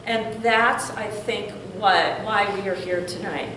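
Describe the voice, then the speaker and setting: A woman's voice: mid-range voice, slow. An older woman, a grandmother, welcoming people to a community meeting in an outgoing, chatty way, laughing now and then. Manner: warm-voiced, outgoing, laughs often. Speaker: community organizer giving welcome. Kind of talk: public meeting remarks. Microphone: room mic at a distance. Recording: echoey room from far off, noisy.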